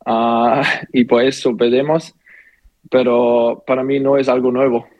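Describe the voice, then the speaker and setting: A young man, a footballer, answering interview questions in halting, speech with many pauses and fillers. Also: mid-range voice, level tone, darkish tone, no echo, muffled recording. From Austria. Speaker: footballer guest.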